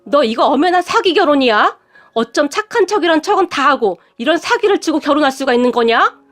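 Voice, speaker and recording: Storybook figure: shrill, high, accusing mother-in-law, read by a woman narrator. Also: lively intonation, fast talker, a bit bright. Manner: scolding.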